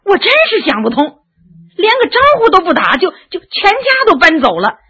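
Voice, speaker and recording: A woman voicing a blunt, excitable but softhearted gentleman who exclaims and sighs a lot. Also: sits high, normal speed, breathy edge, heavily acted. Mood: exasperated. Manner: impulsive, exclaiming, sighing.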